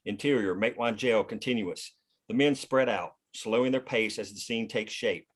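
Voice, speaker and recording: A man's voice: on the low side, moderate pace. A man reading scene headings and stage directions aloud as scripted narration at a table read.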